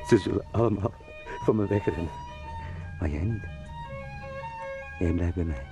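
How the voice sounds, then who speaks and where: A man's voice: deep voice, normal speed, music in the background. An actor playing an anguished, obsessive young man turned into a giant beetle, pleading and brooding in an intimate radio drama. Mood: obsessive, yearning.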